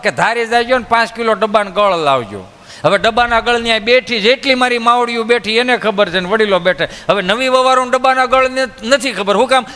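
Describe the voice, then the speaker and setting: A man's voice: very high-pitched, bright, forceful tone, big-room sound. A man performing folk comedy on stage, telling village stories and acting out the people in them. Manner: acts out villagers' voices in his tales.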